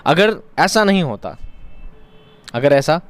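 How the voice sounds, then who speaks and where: A man's voice: on the high side, sing-song, slow pace, clear, resonant tone. A man teaching an exam-prep lesson, explaining each point by repeating it in other words and asking rhetorical questions.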